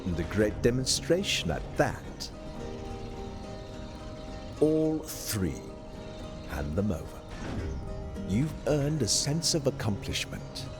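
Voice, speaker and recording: A man's voice: medium pitch, big pitch swings, over music. An actor playing a patient, older exiled physician in a video game, musing and teasing as he sets challenges. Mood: pleased, teasing. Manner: slow, musing, teasing, dramatically swooping delivery.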